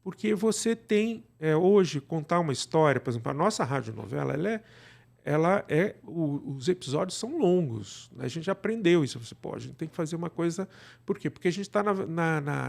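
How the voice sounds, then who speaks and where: Brazilian man with a creaky, higher-pitched voice. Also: lively intonation, fairly quick. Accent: Brazilian Portuguese. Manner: colloquial, digressive, often seeking agreement with tags. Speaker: interview guest, radio drama creator. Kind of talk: casual conversation, giving advice.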